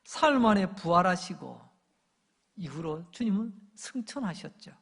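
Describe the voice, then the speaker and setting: A male pastor preaches in a lively way, slipping into the shouts and jeers of crowds as he tells his story. His voice is gravelly and somewhat husky, at a middle pitch. The sound rings with the long reverb of a church sanctuary. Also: unhurried. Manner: animated preaching, acting out crowd shouts and taunts. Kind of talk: sermon.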